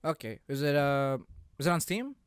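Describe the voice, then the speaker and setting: A man's voice: on the high side, lively intonation, normal speed, smooth, no echo, clean studio sound. A man co-hosting a casual chat about video games. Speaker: podcast co-host.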